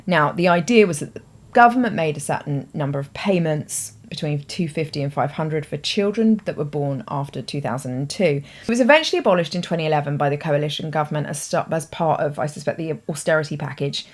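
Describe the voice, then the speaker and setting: A woman's voice: low voice, a little fast. A British woman hosting her own show, explaining ideas in a thoughtful, conversational way with hedging asides. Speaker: host. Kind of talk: explanatory talk to camera.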